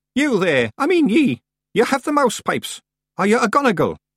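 A put-on character voice with very wide pitch swings, a fairly bright tone and a slightly husky edge, in a dry, close sound with no echo. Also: man, extremely high pitch for a man, moderate pace, very clean recording, silent background.

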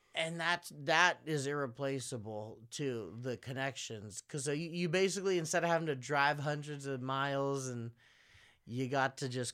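Speaking with an American accent, a man with a fairly high pitch and a bright, sharp tone talks at a moderate pace with ordinary pitch variation in a very clean recording with a silent background. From US West Coast (Santa Maria, California). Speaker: comedian. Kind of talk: casual chat.

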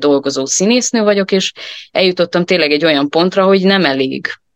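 The woman's pitch shows ordinary variation as she talks. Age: 20s. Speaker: stage actress. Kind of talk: panel discussion.

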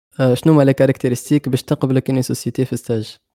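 A man's dark, mellow voice at medium pitch, monotone and flat in intonation, at a fairly quick pace, with a dry, close sound and no echo. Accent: Tunisian. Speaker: podcast host. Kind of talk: casual online discussion. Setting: online call.

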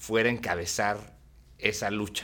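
A man with a fairly low pitch talks at a moderate pace in an ordinary speaking voice. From Mexico City. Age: 30s. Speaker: entrepreneur. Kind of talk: casual interview. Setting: his place of business.

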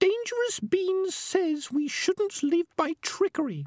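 A squeaky, put-on character voice at an extremely high pitch, delivered at a fairly slow pace

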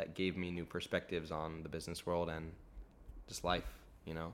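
A man talks at a very fast pace. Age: 20s. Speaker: recent college graduate and startup founder. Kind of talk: casual chat.

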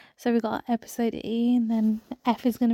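In a British accent, a woman speaks at a fairly slow pace with a fairly high pitch and a dark, mellow tone. Her intonation is monotone and flat, and the sound is dry and close with no echo. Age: 30s. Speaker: podcast host. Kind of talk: casual monologue.

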